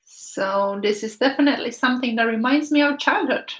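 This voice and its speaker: A woman's voice: on the high side, a little fast, a bit bright. A woman, teaching a casual live painting class, thinking aloud in short phrases as she works and chatting with viewers. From Finland. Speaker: art teacher.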